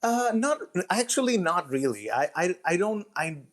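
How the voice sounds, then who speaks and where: A man chatting casually as a guest author, halting and thinking aloud as he goes. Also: high-pitched, sing-song. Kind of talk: casual chat.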